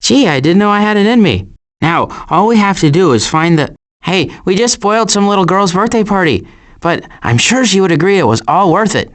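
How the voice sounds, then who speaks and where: Cautious, sarcastic cartoon turtle. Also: male voice, sits high, expressive, a little fast, a bit bright. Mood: anxious, hesitant. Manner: dry, hesitant, wry understatement. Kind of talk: animated video game voice acting.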